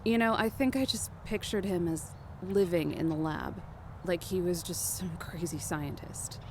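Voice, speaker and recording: A woman's voice: lowish voice, measured pace. A woman acting a weary, protective young leader of fugitives in an audio drama, with a subdued, serious delivery. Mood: grave, bitter. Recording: noisy outdoor ambience bed.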